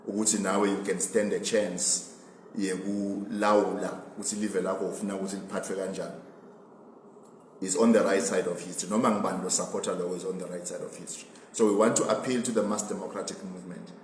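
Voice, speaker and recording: A man with a Swazi accent giving a political address in an interview, speaking emphatically and deliberately and repeating phrases for emphasis. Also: deep voice, level tone. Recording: echoey reverberant room with background noise.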